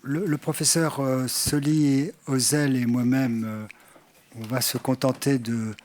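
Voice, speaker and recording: A man moderating a conference panel discussion, speaking haltingly with many fillers and restarts. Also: mid-range voice, level tone, darkish tone, slight background noise. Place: conference hall stage.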